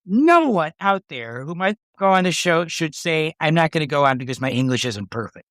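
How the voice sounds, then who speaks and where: A woman's voice: sits low, big pitch swings, normal speed, no room sound, clean studio sound. A woman hosting a podcast, chatting in a teasing, emphatic way with her guest. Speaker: podcast host. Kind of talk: casual interview conversation.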